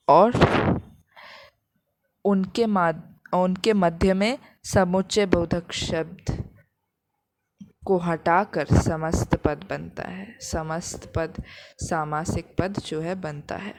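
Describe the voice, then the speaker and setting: Slow, patient woman teacher. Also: on the low side, fairly even intonation, a little hiss or hum. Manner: patient, repeats each example slowly. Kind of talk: Hindi grammar lesson explaining examples.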